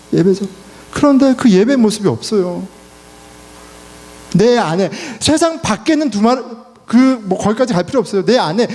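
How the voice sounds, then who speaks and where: Lively pastor preaching in a hall. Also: male voice, sits high. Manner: storytelling with self-mocking humor, acting out dialogue. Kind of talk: sermon. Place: church sanctuary. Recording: church hall reverb.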